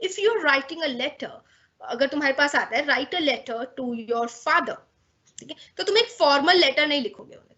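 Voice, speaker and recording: High-voiced woman teaching an English class. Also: a bit bright. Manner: explains patiently, checks in often with "theek hai?". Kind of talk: online class lesson, mixing Hindi and English. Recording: slightly dull lo-fi audio.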